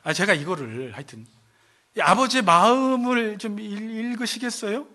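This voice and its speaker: 교회에서 설교하는 남성 목사로, 인용하는 말투를 연기하듯 흉내 내며 생동감 있게 말한다. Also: male voice, high voice, normal speed. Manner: animated preaching, acts out quoted voices. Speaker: pastor. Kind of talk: sermon. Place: church sanctuary.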